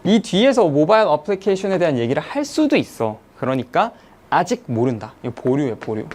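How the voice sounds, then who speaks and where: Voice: medium pitch, very animated, a little mellow, a little hiss or hum. An English teacher giving an online exam-review lecture, explaining step by step, asking questions and then answering them. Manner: reads English sentences slowly, then glosses them; mixes polite and casual speech to students.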